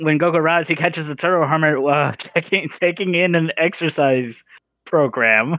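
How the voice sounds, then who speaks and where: With an American accent, a man speaks at a moderate pace in a fairly high pitch, his tone bright and sharp and his pitch variation ordinary. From New York City, the Bronx. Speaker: podcast co-host. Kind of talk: episode recap narration.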